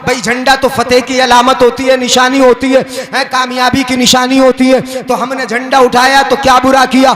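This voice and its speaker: A man preaching to a large religious gathering. He draws the crowd in with rhetorical questions and call-and-response, and often climbs into shouted, chant-like lines. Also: very high voice, completely flat delivery, normal speed, few pauses, reverberant. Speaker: Islamic preacher.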